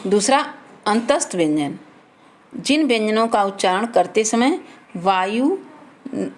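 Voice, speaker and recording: A woman's voice: mid-range voice, expressive, slow pace. A woman teaching a children's grammar lesson, reading out letters and example words one at a time.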